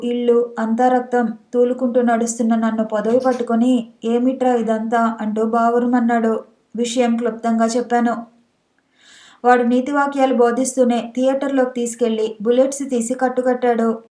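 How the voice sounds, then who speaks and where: Flat-toned woman narrating an audiobook. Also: fairly high pitch. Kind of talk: scripted first-person story narration. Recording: echoey room.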